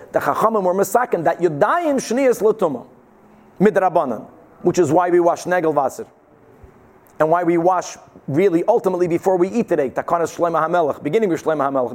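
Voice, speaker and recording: A man's voice: high-pitched, darkish tone. A man teaches. He explains emphatically and informally, as in a religious class, sprinkling Hebrew and Yiddish terms through his sentences. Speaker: Talmud teacher.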